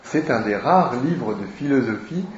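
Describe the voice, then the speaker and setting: Brief: male teacher explaining a novel slowly, thinking aloud, in a roomy, muffled recording. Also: medium pitch, lively intonation, slight background noise. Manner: slow and deliberate, with frequent hesitations. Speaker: literature teacher.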